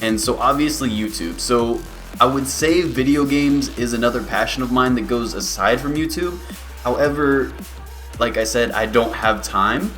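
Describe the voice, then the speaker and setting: A young man in his early twenties talks through a casual question-and-answer vlog at a middling pitch. He rambles easily and leans on fillers, and faint music plays under his voice. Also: moderate pace. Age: 20s. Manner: relaxed, rambling, many fillers. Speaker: YouTuber.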